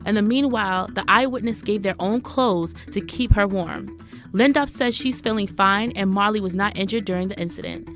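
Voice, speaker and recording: A woman's voice: mid-range voice, a bit bright. A woman reading scripted news and announcements as a college radio reporter.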